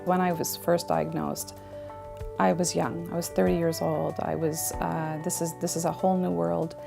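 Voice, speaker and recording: A woman in her fifties giving quiet, reflective personal testimony in an interview, recorded from some distance. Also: lowish voice, flat delivery, moderate pace, gravelly, music in the background. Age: 50s.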